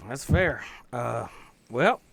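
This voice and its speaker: A man with a medium-pitched voice improvises his part in a tabletop game. He is casual and wry, feeling out his phrasing with a folksy turn. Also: lively intonation, extremely slow, vocal fry, a bit bright, a little hiss or hum. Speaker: tabletop game player on a podcast. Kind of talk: casual improvised role-play narration.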